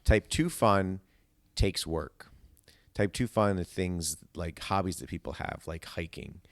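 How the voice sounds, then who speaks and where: A man's voice: low-pitched, measured pace, gravelly, no room sound, studio quality. A man talking casually as a podcast guest, explaining his ideas in a rambling, emphatic, philosophizing way. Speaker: podcast guest, stage actor.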